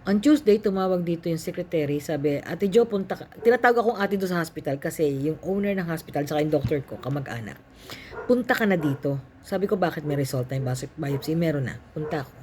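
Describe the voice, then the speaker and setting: An older woman with a Filipino accent recounts her own story in a calm, matter-of-fact manner, slipping into the voices of the people she quotes. Her voice sits on the low side, and a faint noise runs underneath. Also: fast. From Philippines. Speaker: cancer survivor sharing her story. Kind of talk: personal testimony, storytelling.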